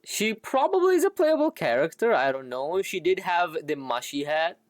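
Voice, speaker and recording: A woman's voice: fairly low pitch, big pitch swings, moderate pace, dry recording, clean studio sound. A woman livestreamer giving casual, offhand reaction commentary in a laid-back way.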